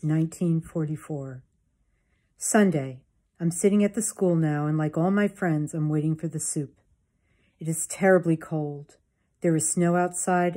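Mellow, lowish-voiced older woman reading. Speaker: diary reader. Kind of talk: reading a diary aloud. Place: book-lined room at home. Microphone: phone at arm's length.

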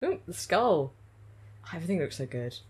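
A woman talks into her own microphone, reacting to a show. Her voice sits on the low side and is husky and breathy. It swings widely up and down as she gushes with excitable fangirl energy. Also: normal speed. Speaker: anime reaction channel host. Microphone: own desk microphone.

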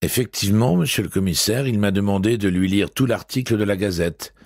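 A man's voice: lowish voice, brisk, darkish tone, dry recording, studio quality, pitched above the performer's own voice. A man voicing a nervous, polite male hotel receptionist in an audiobook. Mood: deferential.

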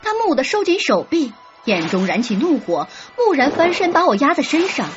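A woman's voice: high-pitched, big pitch swings, moderate pace. A woman narrating a romance audiobook in first person, telling it expressively. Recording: slightly dull audio with soft music.

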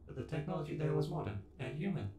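A man's voice: fairly high pitch, expressive, quick pace, pitched above the performer's own voice. A man playing a puzzled, curious human in a scripted sci-fi ASMR roleplay. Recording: echoing, music clearly behind.

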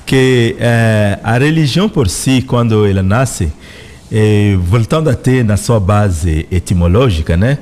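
Low-voiced middle-aged man with a Congolese accent. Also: expressive, a little mellow, slight background noise. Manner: measured, reflective explaining. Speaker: representative of a spiritual organization, guest. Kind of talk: interview answers. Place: radio studio. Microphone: studio microphone close in front.

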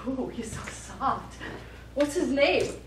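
A woman's voice: high-pitched, lively intonation, slow. A woman on stage playing a sentimental, melodramatic diva performer in a theatrical, gushing manner. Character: melodramatic, sentimental diva ventriloquist Miss Ladeau. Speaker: stage actor. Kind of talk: live stage comedy acting. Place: small indoor theatre stage. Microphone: far camera. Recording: very echoey theatre, distant camera, noisy.

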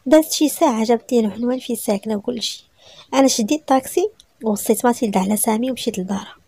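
A woman's voice: on the high side, racing, gravelly, warm tone, slightly rough, no room sound. A woman with a Moroccan Arabic accent narrating a first-person story in an emotional, breathless way.

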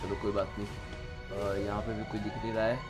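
A young man with a sore throat, commentating his own gameplay in Hindi-accented speech, yelping when surprised and otherwise keeping his voice low. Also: normal speed. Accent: Indian Hindi. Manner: excitable, yelps loudly when surprised, speaks softly to spare his throat. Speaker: gaming YouTuber. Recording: game music and gunfire behind.

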